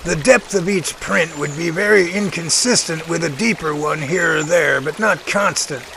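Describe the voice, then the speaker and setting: Male actor as audio drama professor, methodical, confident, explanatory, gravelly edges, faint background noise. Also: fairly high pitch, sharp tone. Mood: explaining. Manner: explanatory, precise, deliberate.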